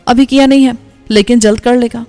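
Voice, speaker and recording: A woman's voice: fairly high pitch, fairly even intonation, warm tone, big-room sound, faint music behind, natural voice. A woman voicing a bold, teasing young woman. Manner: bold, forward, quick.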